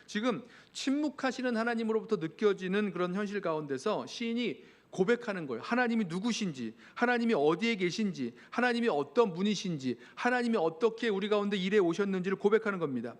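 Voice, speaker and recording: A man's voice: high-pitched, expressive, fairly quick, hardly any pauses. A male pastor with a Korean accent preaches a sermon earnestly and voices pleading prayers as he goes. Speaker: senior pastor.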